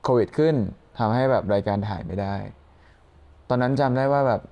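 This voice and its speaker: A young man, a guest, telling a personal story in halting sentences full of fillers. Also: mid-range voice, vocal fry, a little mellow, clear, resonant tone, lo-fi sound. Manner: hesitant, halting with many fillers.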